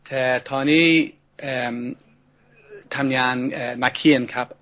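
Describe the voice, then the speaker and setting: Halting man, dull lo-fi clip. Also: medium pitch, steady tone. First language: English. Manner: halting, with filler sounds between phrases. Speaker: Thai learner giving a speaking sample. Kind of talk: short self-introduction in a second language.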